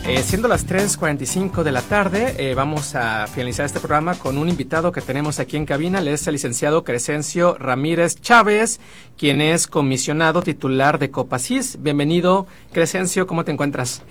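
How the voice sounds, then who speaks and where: A man's voice: on the high side, brisk, a bit bright, soft background music. A man hosting a radio interview in a studio booth, chatty with frequent fillers. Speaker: radio show host.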